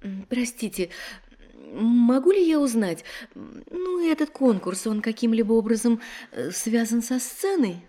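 An actress playing a hopeful, plucky young woman of twenty-two in an audio drama, musing and expressive. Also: fairly high pitch, measured pace. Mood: timid, polite. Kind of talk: theatrical audio drama acting.

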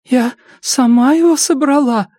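A frightened young woman near tears, her voice high, thin and choked as she pleads and snaps back, as a male audiobook reader puts her on. The sound is dry and close. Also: measured pace, a little mellow, no echo. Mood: pleading. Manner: sobbing, choked, breathy pleading. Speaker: audiobook narrator voicing a character.

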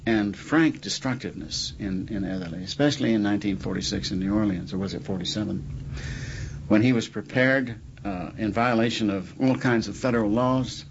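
An older American man with a low, gravelly voice reminisces in an interview. He halts and searches for words, and the recording is a little muffled. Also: moderate pace. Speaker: journalist and writer, interviewee. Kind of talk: reflective interview recollection. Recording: muffled, faint background noise.

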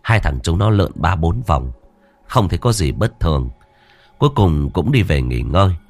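A man's voice: deep voice, very animated, moderate pace, gravelly, no room sound. A man narrating a ghost story in a vivid, colloquial way.

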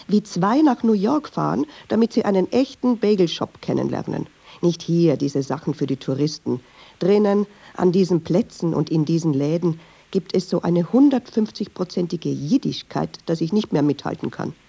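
A woman's voice: fairly low pitch, vocal fry, warm tone, breathy edge, dull audio, heavily acted. An actress playing a chatty, ironic Jewish woman who tells restless, digressive, insistent stories in a radio drama. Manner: wry, digressive, insistent storytelling. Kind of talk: radio drama monologue in dialogue.

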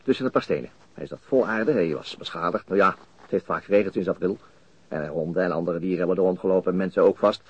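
A man's voice: low-pitched, fast, slightly rough. An actor playing a dogged, methodical middle-aged police chief inspector in a Dutch radio play, hesitating as he thinks aloud. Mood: matter-of-fact. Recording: muffled, dull radio drama recording.

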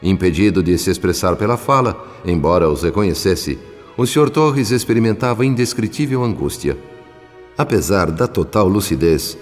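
A man's voice: sits low, expressive, moderate pace. A man playing a solemn spirit narrator, reading formal scripted radio drama narration. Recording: long reverb, music underneath. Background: music.

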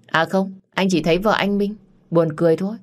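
A woman's voice: fairly low pitch, fairly even intonation, a little fast, voice pushed up, lightly acted. A woman voicing a smug young man who mocks and brushes off his wife. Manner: teasing, dismissive.

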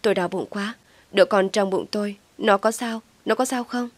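A frantic, grieving young mother, as a woman storyteller puts her on, her voice pitched low yet breaking into shrill, crying outbursts. The sound is dry and close, with no room around it. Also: a little fast, dry recording, lightly acted. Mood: distraught.

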